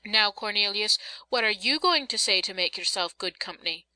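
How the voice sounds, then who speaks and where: A woman's voice: medium pitch, expressive, moderate pace, bright, forceful tone, no room sound, poor audio. A woman voicing a bossy, sarcastic but loving working-class mother who scolds and instructs in folksy rustic dialect, as in a storybook reading. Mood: bossy instructing.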